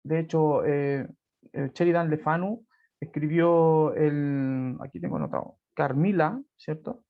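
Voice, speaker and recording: A man's voice: on the high side, a little slow. A Chilean man teaching a literature class over a video call, rambling with many fillers and checks for agreement. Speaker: high school literature teacher. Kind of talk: online class lecture. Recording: muffled lo-fi video call audio.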